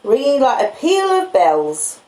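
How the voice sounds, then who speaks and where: A woman voicing a kindly, humble working-class English blacksmith in a storybook, with gentle, apologetic rustic speech. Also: high voice, very animated, a little slow, reverberant, voice pushed up. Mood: homely, expectant.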